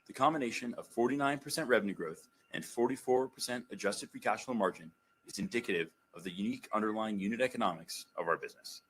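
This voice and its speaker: A man's voice: fairly low pitch, quick pace, a little hiss or hum, low-quality recording. A man reading a scripted financial report as a finance executive, formal and businesslike.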